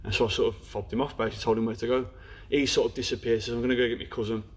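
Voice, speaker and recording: Fast-talking Black Country man. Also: medium pitch, level tone, breathy edge. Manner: frank, storytelling, peppered with "you know". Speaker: interview guest. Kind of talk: candid personal story in a podcast interview.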